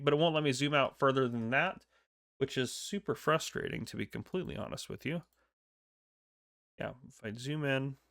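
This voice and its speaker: A man's voice: mid-range voice, bright, forceful tone, dry recording, clean studio sound. A man with a congested, stuffy voice from a cold, chatting casually with many ums as the host of a gaming channel. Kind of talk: casual game news commentary.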